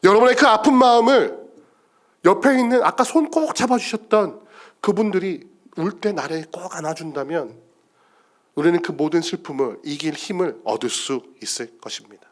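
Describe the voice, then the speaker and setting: A man preaching a sermon with a high voice that rises and falls a great deal. He is emphatic, driving points home loudly and then dropping to near-whispers. It sounds like a pastor at the pulpit of a church. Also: animated, normal speed. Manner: emphatic, swings from loud to hushed.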